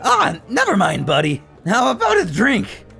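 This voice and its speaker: A man's voice: high voice, huge pitch swings, measured pace, vocal fry, sharp tone, slightly rough, soft background music, voice pushed up, exaggerated voice. A man voicing a breezy, friendly young swordsman with a casual, chummy way of talking.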